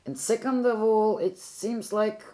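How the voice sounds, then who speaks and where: A woman's voice: medium pitch, steady tone, measured pace, mellow, low-quality recording. A young woman from Bulgaria with a Bulgarian accent, chatting casually through a makeup tutorial and often correcting herself mid-sentence. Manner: chatty, rambling, self-correcting. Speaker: beauty vlogger.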